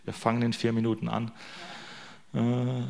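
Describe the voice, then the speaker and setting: A man's voice: mid-range voice, completely flat delivery, normal speed, gravelly, a little mellow. Male lay preacher, mid-range voice, chatty and joking, tags his lines with questions to the room. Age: young adult to middle-aged, a father. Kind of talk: informal sermon.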